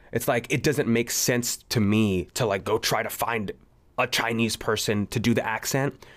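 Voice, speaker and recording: A young man co-hosting a casual podcast over a voice call, rambling and saying "like" again and again. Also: mid-range voice. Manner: rambling, heavy use of "like". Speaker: podcast co-host, producer.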